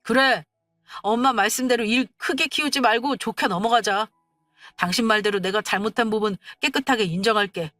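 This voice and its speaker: A woman's voice: fairly high pitch, sharp tone, no room sound, clean studio sound. A woman voicing a young husband in a storybook tale, who makes excuses and pleads. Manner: wheedling, making excuses.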